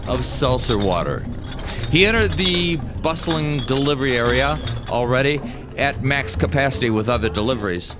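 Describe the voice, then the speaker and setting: A man's voice: medium pitch, expressive, moderate pace. An American man telling a personal story as scripted first-person narration. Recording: music behind the voice.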